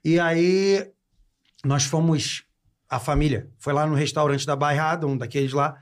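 Lively Brazilian man telling travel stories. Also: a little high, measured pace. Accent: Brazilian Portuguese. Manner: animated anecdotes, swearing, acts out voices. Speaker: podcast host and motorsport commentator. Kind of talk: casual storytelling chat.

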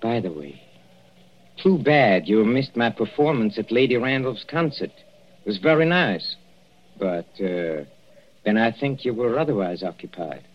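A scheming professor-killer from a vintage radio play, purring his threats slowly in a husky, breathy voice. The old broadcast sounds dull and lo-fi. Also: fairly low pitch, big pitch swings. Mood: gloating. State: panicking, shrieking as he dies. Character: scheming, gloating male mathematician murderer, poisoned. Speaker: villain. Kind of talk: 1940s radio acting.

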